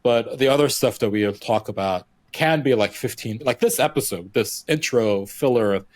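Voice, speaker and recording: A man's voice: mid-range voice, moderate pace, no room sound. A young man co-hosting a gaming podcast, born and raised in the United Arab Emirates, chatting casually with lots of fillers and restarts. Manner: rambling, filler-heavy, restarts often. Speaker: podcast co-host. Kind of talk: casual chat.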